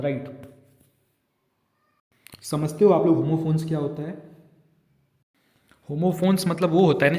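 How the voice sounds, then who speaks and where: A man's voice: fairly high pitch, a little mellow. Hindi-speaking man tutoring kids, echoey room. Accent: Indian English. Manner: repetitive, keeps asking "right?" and checking understanding. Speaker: online olympiad teacher. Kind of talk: casual tutoring explanation.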